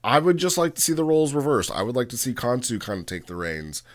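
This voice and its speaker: A man giving a casual, off-the-cuff review as host, rambling and halting as he talks, often checking in with the listener. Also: mid-range voice, sing-song. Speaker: host reviewing roleplay logs.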